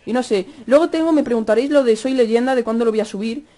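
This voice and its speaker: A young man with a Spanish accent from Spain chatting fast over Minecraft gameplay, cursing and yelling at the mobs. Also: very high-pitched. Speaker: gaming youtuber.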